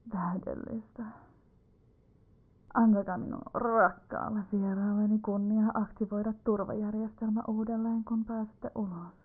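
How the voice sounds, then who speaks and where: A woman's voice: mid-range voice, gravelly, narrow, tinny audio. A woman doing a whispering cartel boss. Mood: brisk commands. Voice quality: soft, close whisper. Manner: slow, deliberate, menacing, controlling. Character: cold, domineering female cartel boss. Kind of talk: ASMR roleplay audio.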